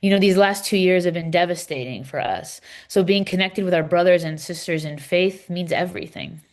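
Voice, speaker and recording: A woman playing an earnest, welcoming Palestinian Christian discussion leader in a readers theater dialogue, speaking in a measured, explanatory way. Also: lowish voice, a little mellow, natural voice. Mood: warm, earnest.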